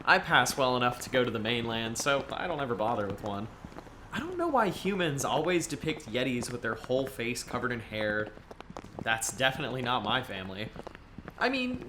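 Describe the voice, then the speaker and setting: A man's voice: mid-range voice, background noise, close to an everyday voice. A man playing a friendly, eager young Yeti tour guide in an audio drama, chatty and earnest as he explains things. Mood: open, easygoing.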